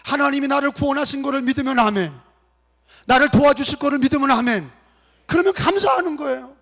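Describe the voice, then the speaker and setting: A man's voice: extremely high pitch, a little fast, fairly bright tone. A male pastor preaching a sermon in a church, in a rhythmic, repetitive style that builds to exhortation. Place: church sanctuary. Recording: long reverb of a church hall.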